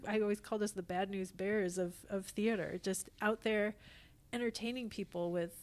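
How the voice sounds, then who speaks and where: A woman's voice: medium pitch, steady tone, moderate pace, a little mellow. A middle-aged American woman talking casually as a theatre guest on a podcast. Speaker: podcast guest, theatre actor and company founder.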